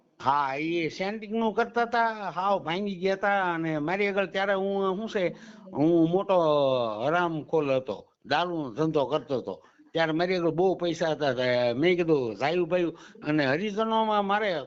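Pitched high, a man's voice shows ordinary variation in pitch. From Gujarat, Saurashtra (Bhavnagar district). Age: 50s. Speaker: caller seeking help recovering a loan. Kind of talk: phone call. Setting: phone call.

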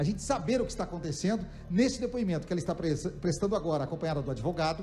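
A man's voice over faint background music. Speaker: TV news reporter. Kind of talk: live news report. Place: station. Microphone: handheld.

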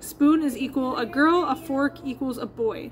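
Faint music plays behind a woman whose high voice moves through ordinary pitch variation. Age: 30s. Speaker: YouTuber, mother; expecting mother vlogger. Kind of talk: casual vlog chat. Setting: at home with family. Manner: animated. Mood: playful, relaxed. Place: home room. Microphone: phone near.

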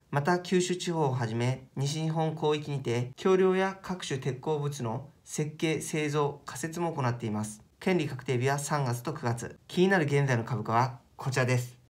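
A man's fairly high-pitched voice at a fairly slow pace, with ordinary pitch variation. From Saga Prefecture, Japan. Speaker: individual investor and YouTuber. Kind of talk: casual solo video narration, unboxing shareholder mail. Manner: casual, conversational. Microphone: phone near.

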